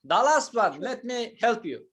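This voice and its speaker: Patient teacher explaining slowly. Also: male voice, extremely high pitch, big pitch swings, a bit bright, husky. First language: not Turkish. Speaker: English teacher. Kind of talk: online English lesson.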